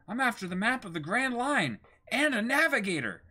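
A man's voice: very high-pitched, very animated, normal speed, sharp tone, pitched above the performer's own voice, exaggerated voice. A man voicing a carefree, bold boy pirate in a manga reading.

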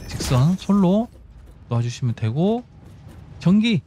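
A gaming YouTuber with a high-pitched, dark-toned voice swings widely in pitch and takes his time, with a faint hiss or hum in the background. He gives casual gameplay commentary over quiet game music, talking himself through each building step in an instructive way.

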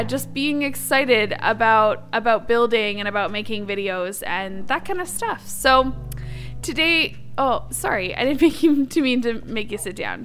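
Young woman chatting through a game video, upbeat, really high bright voice, music playing behind her. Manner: chatty, upbeat, thinks aloud. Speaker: gaming video creator. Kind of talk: casual gameplay commentary.

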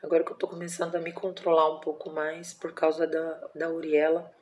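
A woman's voice: deep voice, little pitch movement, brisk, slight background noise. A Brazilian woman in her forties, a mother telling a personal story at home in a casual vlog, emotional and tender, full of diminutives and fillers. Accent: Brazilian Portuguese. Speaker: vlogger, mother.

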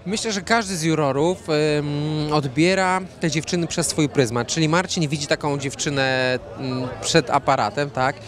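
A man's voice: a little high, moderate pace, hardly any pauses, crowd noise. Man chatting at a gala. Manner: relaxed, rambling with many fillers and repeated words. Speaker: interview guest, fashion designer. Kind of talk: red-carpet interview. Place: outdoor evening gala. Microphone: handheld reporter mic.

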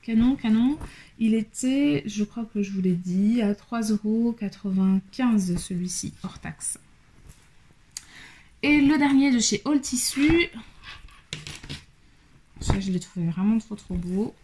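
A woman's voice: medium pitch, measured pace, long pauses, dark tone. A woman casually chatting through a fabric haul for her sewing channel, talking loosely with lots of fillers. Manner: chatty, many fillers, handling and showing fabric. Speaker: sewing vlogger.

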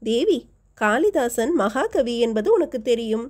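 A woman voicing a young prince from a historical novel, murmuring tender lines in her own soft voice. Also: a little high, expressive, measured pace. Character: young Pallava prince, ardent and playful lover. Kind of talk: audiobook character dialogue.

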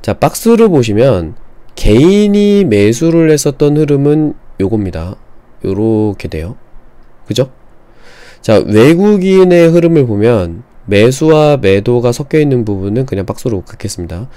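Male streamer, relaxed mellow tone with lively pitch, walks viewers through charts in a dry, close recording. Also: no echo. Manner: explains slowly, stretching words, reads viewer chat aloud. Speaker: stock market streamer. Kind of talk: live-streamed trading lesson.

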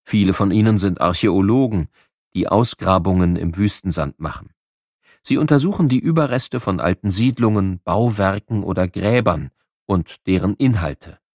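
A man narrating a scripted educational audio programme for children in a measured, explanatory way. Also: lowish voice, a little mellow, no room sound, studio quality.

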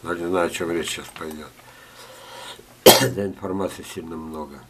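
A man's voice: low voice, steady tone, moderate pace, a bit bright, slight background noise. An older man, ill and coughing often, reading viewers' letters aloud in a chatty gardening lesson with joking asides. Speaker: gardening teacher. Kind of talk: screen-share talk reading viewer letters.

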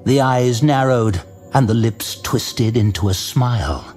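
A man narrating a scripted fantasy story dramatically, in a measured, suspenseful manner. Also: medium pitch, darkish tone. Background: music.

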